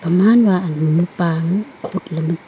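A woman with an Isan accent vlogging in a forest, exclaiming excitedly and calling out to her viewers as she goes. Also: lowish voice, brisk, slight background noise. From Northeast Thailand. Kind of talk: casual foraging vlog. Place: forest outdoors.

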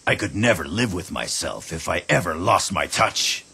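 An actor voicing a proud veteran male archer general in a video game cutscene, with a rough, gravelly voice. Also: deep voice, sing-song, moderate pace, bright, forceful tone, exaggerated voice. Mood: confident.

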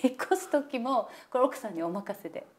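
A woman hosting an interview at a guest's home, reacting brightly and asking quick follow-up questions. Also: a little high, animated. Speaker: host.

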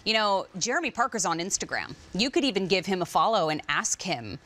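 A middle-aged woman hosts a live home shopping show. Her delivery is chatty and upbeat sales patter at a medium pitch, recorded in a TV studio kitchen. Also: sing-song, a little fast, pushed and bright.

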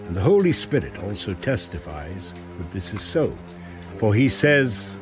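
Casting: male scripture narrator, slow and earnest, dramatic emphasis, faint music beneath. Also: fairly low pitch, sing-song.

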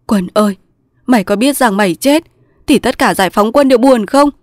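A woman voicing a young male resistance soldier, pleading in loud sobbing outbursts in a storybook reading. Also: on the high side, brisk, no room sound, clean studio sound, pitched above the performer's own voice, lightly acted. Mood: grieving.

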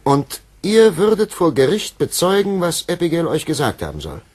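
An actor playing a stern, earnest Puritan clergyman in a German radio play, questioning in a formal, deliberate way. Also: on the high side, wildly swooping pitch, darkish tone. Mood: shocked, urgent.

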